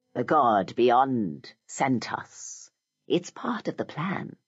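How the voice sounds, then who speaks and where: This gravelly, put-on character voice sits at a low-to-middle pitch and moves at a very slow pace. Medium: read story. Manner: stern, clipped, unsentimental.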